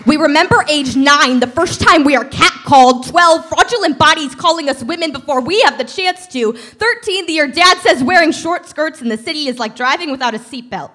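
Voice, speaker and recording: A young woman performs slam poetry in a high, bright, forceful voice. Each phrase is delivered with pointed rhythm and emphasis. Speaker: slam poet.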